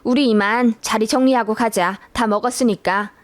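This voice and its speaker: A woman voicing a doting middle-aged future mother-in-law in a lower, coaxing tone. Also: fairly even intonation, normal speed, dry recording, natural voice. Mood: placating.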